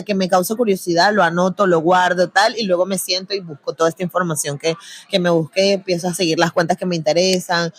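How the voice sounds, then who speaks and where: A young adult woman with a Venezuelan Spanish accent, talking casually as an interview guest, chatty and quick to laugh, with slang. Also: fairly low pitch. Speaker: guest, producer and antiracism content creator.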